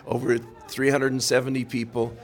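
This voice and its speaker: A man's voice: medium pitch, little pitch movement, moderate pace. A man hosting a Christian podcast, interviewing a local pastor and affirming him with frequent amens. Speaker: podcast host. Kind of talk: interview on a mission trip.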